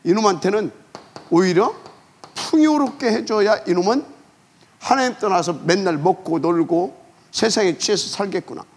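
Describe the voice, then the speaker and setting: A man preaching a sermon as pastor, emphatic, asking rhetorical questions and letting phrase ends trail off quietly. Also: high voice, lively intonation, normal speed, husky.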